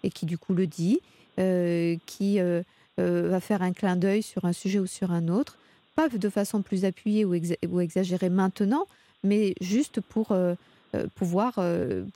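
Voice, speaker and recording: A woman hosting a radio call-in advice show, speaking in a calm, measured, reassuring way into a studio microphone. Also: lowish voice, no room sound. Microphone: studio mic.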